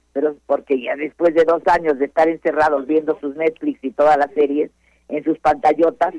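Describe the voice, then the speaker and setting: A Mexican woman, a stage actress, chatting in an interview, effusive and full of repeated words and quick "no, no, no" asides. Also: deep voice, dry recording, lo-fi sound. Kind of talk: casual interview chat.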